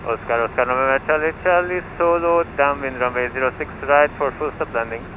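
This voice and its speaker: A man's voice: medium pitch, brisk. Man in noisy cockpit, clipped checklist talk. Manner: clipped, methodical, talking through procedures. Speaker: student pilot flying solo. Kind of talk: radio calls and spoken checklist commentary. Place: small aircraft cockpit in flight. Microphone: cockpit intercom headset. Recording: dull cockpit audio with aircraft noise.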